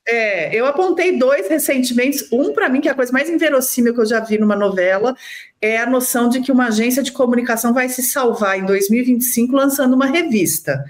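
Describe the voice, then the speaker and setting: A Brazilian woman with a fairly high voice hosts a casual chat show. She gives her opinions with emphasis, in slangy everyday language, and swears freely. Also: fast talker. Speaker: podcast host.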